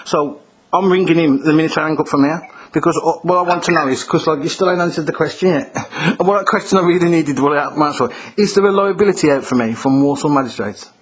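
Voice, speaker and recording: Man, Black Country accent, slightly high pitch, fast, argumentative, repetitive, complaint call. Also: breathy edge, poor audio. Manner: insistent, argumentative, repetitive, informal. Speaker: caller making a complaint. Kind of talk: phone complaint conversation.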